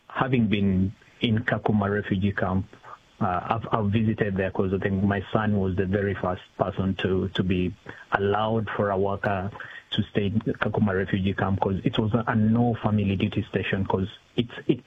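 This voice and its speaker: A man speaking as a community council executive, a guest on a phone-in radio interview, earnest and searching for his words. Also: on the low side. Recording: tinny phone line with faint hiss.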